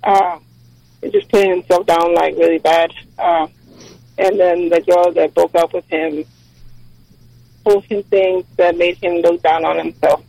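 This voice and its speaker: A middle-aged woman from Texas calling into a radio show to ask for prayers, hesitant and worried, with many pauses. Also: fairly low pitch, fairly even intonation, creaky, dark tone, no echo, poor audio. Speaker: caller. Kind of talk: phone-in caller asking for prayer.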